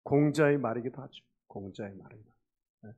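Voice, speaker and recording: A man preaching a sermon as pastor, telling stories, questioning the congregation and acting out loud cries for help. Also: medium pitch, a little fast, narrow, tinny audio. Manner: storytelling with acted shouts and audience questions.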